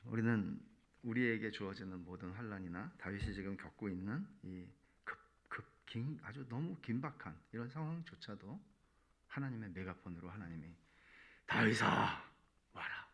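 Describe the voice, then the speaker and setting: A man's voice: fairly low pitch, animated, moderate pace. A male pastor preaching a sermon in a conversational way, with playful asides.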